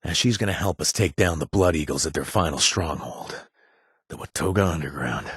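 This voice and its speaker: An actor voicing an easygoing, money-minded bartender ally in a video game, chatty, with lots of little chuckles and filler words. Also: male voice, very deep voice, lively intonation, moderate pace, breathy edge, no room sound, studio quality, heavily acted. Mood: earnest. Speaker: game companion character. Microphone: close studio mic, dry.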